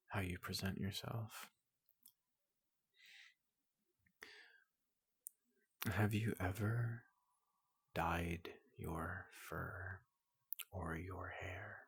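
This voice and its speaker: A man voicing a tall, gentle robot doctor in soft ASMR roleplay, hesitant and politely clinical, often slipping into a whisper, close to the microphone. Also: deep voice, dry recording, exaggerated voice. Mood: curious, soothing. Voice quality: breathy, gravelly, often dropping into whisper.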